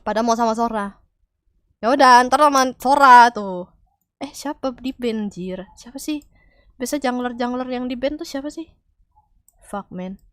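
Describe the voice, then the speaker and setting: Woman streamer w a cold, stuffy nose, kinda high voice, dry close mic, yells and swears at teammates. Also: normal speed, long pauses, smooth, no echo. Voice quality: slightly stuffy, nasal from a cold. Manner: loud exclamations, swearing, calling out to teammates. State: has a cold. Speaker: game streamer. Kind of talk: casual gaming stream chat.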